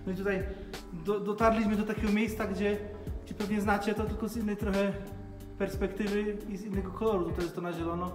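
A man in his thirties from Poland, chatting casually and jokily to camera as a vlog host on a handheld phone. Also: sits high. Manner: jokey, informal. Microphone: phone at arm's length. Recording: handheld phone with music underneath. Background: music.

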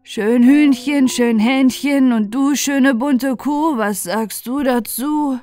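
A woman voicing an old bearded man who questions his animals in slow, chanting rhyme. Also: high-pitched, darkish tone, faint music behind, pitched above the performer's own voice. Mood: solemn.

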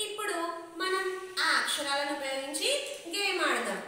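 A woman's voice: high-pitched, lively intonation, normal speed, pushed and bright, a little hiss or hum. A woman teacher from India leading a letter lesson for young children, coaxing them with questions. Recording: echoey room.

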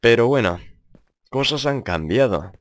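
A man's voice: animated, unhurried, no echo. A young man with a grave voice, improvising casual gameplay commentary in a serious, rambling way and often repeating himself. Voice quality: deep, grave voice. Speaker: gaming video creator.

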